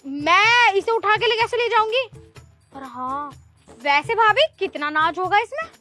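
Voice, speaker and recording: Very high bright woman, a woman playing a sly mocking village wife, comedy skit, soft music behind. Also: sing-song, unhurried, heavily acted. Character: scheming, sharp-tongued village wife.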